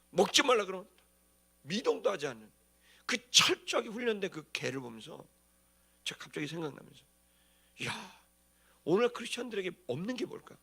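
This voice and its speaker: Preaching with lively storytelling, this pastor speaks colloquially and dramatically, acting things out for emphasis. He has a sharp, slightly rough voice that sits high.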